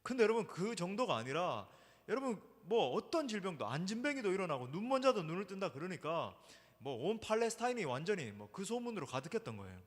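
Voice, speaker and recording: A man's voice: high voice, very animated, fast, in a large hall. A male pastor preaching a sermon emphatically, often addressing the congregation directly. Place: church sanctuary.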